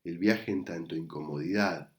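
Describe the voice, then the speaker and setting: A man with an Argentine Spanish accent, a psychoanalyst giving a prepared talk recorded remotely in a measured, reflective way. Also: low voice. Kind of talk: prepared lecture read to camera. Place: recorded remotely, not in the event hall.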